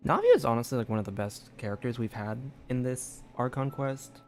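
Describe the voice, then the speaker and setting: A streamer with an androgynous, mid-pitched voice comments casually on a game. The delivery is conversational and musing, with faint music in the background. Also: animated, fairly quick.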